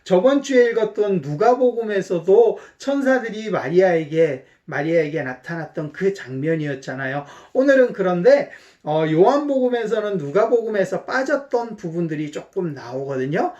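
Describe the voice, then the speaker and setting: A woman's voice: fairly low pitch, normal speed, hardly any pauses, lo-fi sound. Church teacher lady telling kids a bible story, voice bounces up and down a lot, keeps asking them questions. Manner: warm storytelling to children, asks questions, animated. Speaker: children's ministry teacher. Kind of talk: children's sermon.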